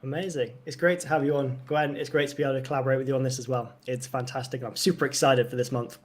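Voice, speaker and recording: A man's voice: mid-range voice, steady tone, fast talker. A young man presenting a livestream tech session as a cloud advocate, enthusiastic and talkative. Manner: enthusiastic, lots of "wonderful" and "fantastic".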